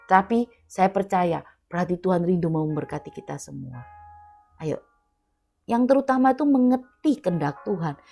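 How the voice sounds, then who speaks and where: A woman's voice: on the low side, mellow. A woman preacher giving an emphatic sermon at an online prayer meeting. She repeats key words and acts out quoted dialogue. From Indonesia.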